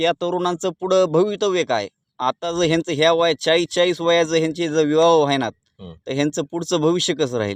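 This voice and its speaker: This man's voice sits high in pitch, with very even loudness, ordinary pitch variation, and a dry, close sound with no echo. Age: 30s. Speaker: interviewer. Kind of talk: interview questions.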